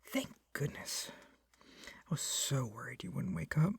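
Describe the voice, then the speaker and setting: A man acts out a young male yandere captor for an ASMR roleplay, doting and possessive. His delivery is soft and awkwardly hesitant, often falling toward a whisper, with animated swings in pitch. The sound is dry, with no room around it. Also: a little slow, gravelly, breathy edge, no echo, full character voice. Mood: worried, tender. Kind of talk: ASMR roleplay addressed to the listener.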